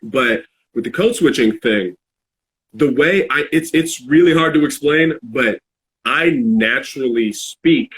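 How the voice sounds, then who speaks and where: A man in a casual, reflective podcast chat, halting as he searches for words. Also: medium pitch, expressive, a bit bright, poor audio. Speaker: podcast speaker.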